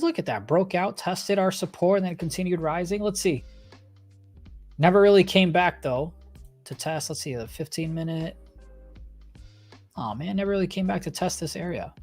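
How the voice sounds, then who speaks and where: A man hosting a livestream, giving casual, conversational chart commentary and talking directly to his viewers. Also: fairly high pitch. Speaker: livestream host and stock trader. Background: background music.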